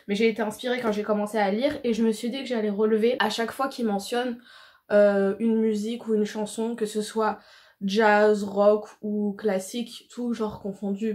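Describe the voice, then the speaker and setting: Chatty woman vlogging about books. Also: medium pitch. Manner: chatty, full of fillers and slang, laughs often. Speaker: book vlogger. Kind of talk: casual chat to camera.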